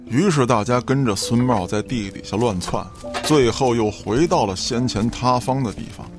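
A man's voice: medium pitch, normal speed. A man narrating a scripted audio drama as a storyteller, in a dramatic reading style. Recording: background music under the voice.

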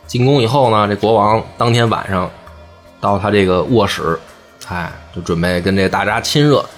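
A man retelling a folk tale comically, animated and laughing, slipping into character voices. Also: on the low side, normal speed, soft background music. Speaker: podcast storyteller.

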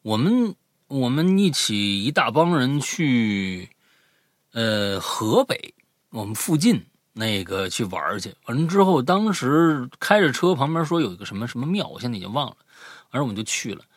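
A man's voice: mid-range voice, sing-song, normal speed, no echo, studio quality. A man casually telling a story as a podcast co-host, in a loose, rambling way with many repeats.

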